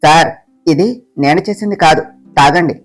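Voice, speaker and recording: A woman's voice: low voice, moderate pace, faint music behind, voice pushed down. A woman voicing a bold, cheeky young office assistant who teases her boss and talks back.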